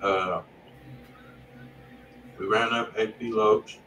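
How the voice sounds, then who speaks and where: A man's voice: fairly low pitch, steady tone, very slow, a bit bright. A man co-hosting a music livestream in casual, slangy talk, blunt and profane. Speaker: co-host of a music review livestream. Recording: distant mic, echoey room, noisy background.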